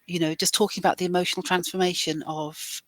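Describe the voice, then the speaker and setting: A woman's voice: fairly low pitch, flat delivery, fast, dry recording. A woman speaks earnestly about sharing experiences and resources, with a mid-range voice. The sound is dry and close, with no room around it. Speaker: charity staff explaining resources. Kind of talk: podcast interview.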